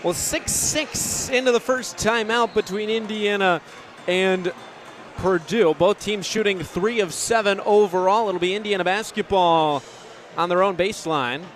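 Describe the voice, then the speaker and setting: A man in his twenties calls live basketball play-by-play, his voice sitting high with a fairly bright tone and a measured pace. Faint crowd and gym noise from the game can be heard behind him.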